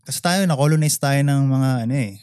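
Podcast co-host, man, everyday middle voice, quick affirmations, dry recording. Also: mid-range voice, a little mellow, smooth, dry recording. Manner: supportive listener, frequent short affirmations. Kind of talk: casual chat.

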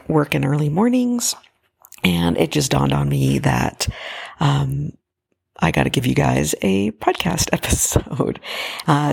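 A woman hosting a solo podcast, talking casually with lots of fillers, her voice raspy and tired. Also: low voice, darkish tone. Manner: chatty, full of fillers and restarts. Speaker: podcast host.

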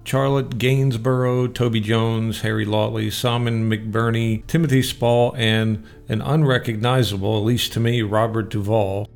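A man's voice: medium pitch, creaky. A man hosting a radio show, giving casual, opinionated film reviews in a conversational way.

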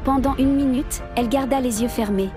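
A woman doing the scripted narration of an audio drama in a steady storytelling manner. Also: sits high, fairly quick, loud music behind the voice.

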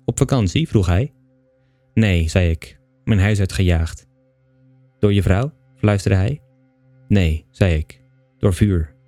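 Calm low-voiced male storyteller. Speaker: audiobook reader. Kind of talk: scripted narration of a bedtime story.

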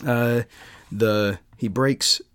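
A man hosting a podcast, talking casually and haltingly, with frequent pauses as he recommends books. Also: medium pitch, steady tone, fairly bright tone, smooth, no room sound. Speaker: podcast host.

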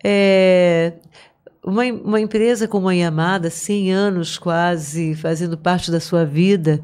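Animated woman voice-over artist chatting. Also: on the low side, unhurried, smooth. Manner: lively storyteller, laughs often, animated. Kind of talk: casual podcast chat. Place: podcast studio.

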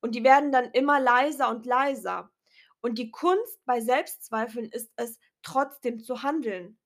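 A woman speaking loudly and earnestly to her viewers in a casual, unedited motivational vlog, her voice a little strained. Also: fairly high pitch, measured pace. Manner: earnest, encouraging, talks loudly. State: clearing her throat, voice a bit strained. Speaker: vlogger. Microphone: self-recorded, unedited.

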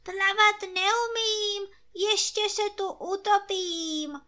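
A woman's voice: very high voice, fairly even intonation, sharp tone, voice pushed up. A woman voicing a feisty, cocky rooster in a storybook tale, with a sing-song, crowing manner. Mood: wailing. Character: feisty cocky rooster demanding his coin.

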